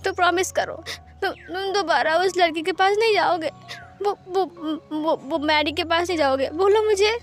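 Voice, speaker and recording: A woman voicing a tearful young man, high-pitched and pleading. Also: fairly quick. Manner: pleading, sobbing. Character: young man, tearful and jealous pregnant lover. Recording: faint background music.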